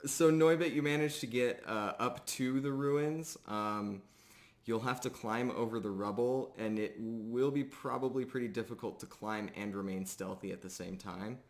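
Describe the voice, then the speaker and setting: A man's voice: medium pitch, moderate pace. A man improvising narration as game master of a tabletop game, describing scenes in short, hesitant pieces.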